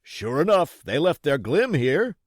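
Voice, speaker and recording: Man as loud, rough pirate henchman. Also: fairly high pitch, sing-song, a little slow, no echo, clean studio sound, voice pushed up. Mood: gruff reporting. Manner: calling out loudly, rustic sailor talk. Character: rough pirate henchmen, male, calling out reports to chief. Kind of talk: audiobook character voice.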